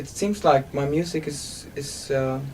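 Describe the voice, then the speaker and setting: This is a man speaking with a Danish accent. His pitch varies in an ordinary way. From Denmark. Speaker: singer-songwriter. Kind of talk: interview. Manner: halting.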